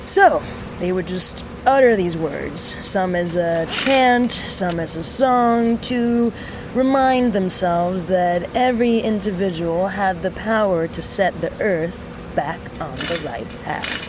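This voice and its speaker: A woman playing a sardonic mechanic in a sci-fi audio drama, rambling to a listener with mock-solemn, theatrical pauses. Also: lowish voice, background noise. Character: sardonic, rambling young female mechanic in an underground resistance.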